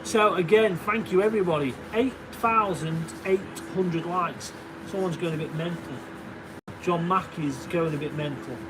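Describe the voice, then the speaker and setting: Speaking at a normal pace in a voice that sits high, a livestreaming stone carver with a Derbyshire accent thanks his audience and reads their names out. There's background noise in his workshop as he chats casually.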